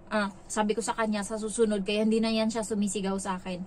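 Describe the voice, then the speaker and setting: A woman from the Philippines talks straight to her viewers in a loose, rambling vlog, stopping often on filler words. Her voice sits in a middle pitch and she speaks frankly. Faint noise hums behind her. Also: flat delivery, darkish tone, rough recording. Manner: rambling, conversational, many filler pauses. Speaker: domestic helper and vlogger. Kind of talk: casual vlog talk to viewers.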